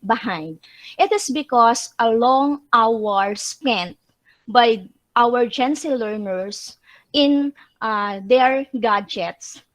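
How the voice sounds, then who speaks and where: Earnest, fairly high-voiced teacher answering questions. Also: female voice. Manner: earnest, explanatory, with frequent hesitations. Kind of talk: answering questions in an online forum.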